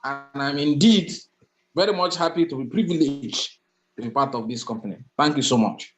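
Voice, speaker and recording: A man giving an enthusiastic comment on an online call from a dark room with his camera off, repeating himself for emphasis. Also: medium pitch, normal speed. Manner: enthusiastic, repetitive, with fillers. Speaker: webinar participant. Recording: call audio with faint background noise.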